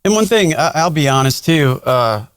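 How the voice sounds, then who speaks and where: Higher-pitched man chatting casually. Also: big pitch swings, moderate pace, clean tone, dry recording. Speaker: podcast co-host. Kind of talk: casual podcast chat.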